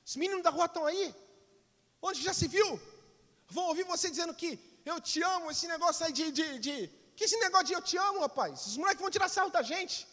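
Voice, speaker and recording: A man voicing an embarrassed twelve-year-old boy who hushes his little brother. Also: extremely high pitch, lively intonation, a little fast, voice pushed up, heavily acted. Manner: hushed, flustered protests. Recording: long reverb of a church hall.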